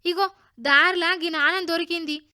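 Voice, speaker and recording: A woman's voice: very high-pitched, fairly even intonation, normal speed, sharp tone, voice pushed up. A woman voicing an honest, caring village boy with a Telangana accent who speaks earnestly in a children's radio story. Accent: Telangana Telugu. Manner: earnest, pleading.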